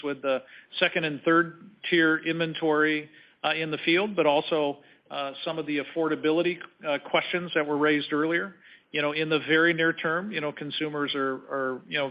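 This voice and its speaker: Higher-pitched male executive, slightly dull call audio. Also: flat delivery. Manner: measured, halting corporate phrasing. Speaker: company executive answering analysts. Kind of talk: earnings call answers. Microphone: conference call line.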